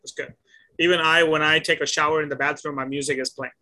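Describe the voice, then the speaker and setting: A male English tutor with a very bright, sharp and fairly high voice, patiently walking a student through simple questions over a video call. He repeats and gently corrects her answers, praising her along the way. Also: steady tone, quick pace. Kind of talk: one-on-one online conversation lesson.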